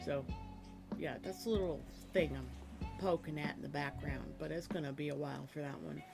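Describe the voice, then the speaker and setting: Woman streamer, casual rambling chat, slightly hoarse, fillers, soft music underneath. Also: deep voice, fairly even intonation, a little fast. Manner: chatty, rambling with many fillers, laughs often. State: slight cough, losing voice. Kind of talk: casual chat while gaming. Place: home room at her computer.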